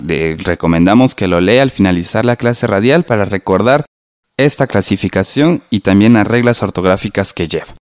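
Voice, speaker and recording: A man teaching a radio lesson in a slow, patient way, spelling out syllables. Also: lowish voice, darkish tone, dry recording, studio quality.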